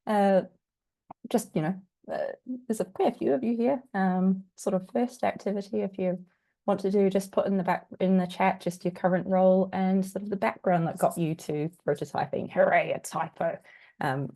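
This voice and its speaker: A woman from New Zealand with a husky, croaky voice, still getting over an illness, presenting an online workshop in a chatty, self-deprecating way with plenty of fillers. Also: on the low side, warm tone. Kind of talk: casual online workshop talk. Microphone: video call.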